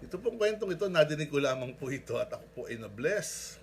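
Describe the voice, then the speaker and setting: A man's voice: a little high, very animated, fast talker, a little hiss or hum. Filipino man preaching a devotional sermon. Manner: storytelling, frequent polite particles, tag questions. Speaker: pastor.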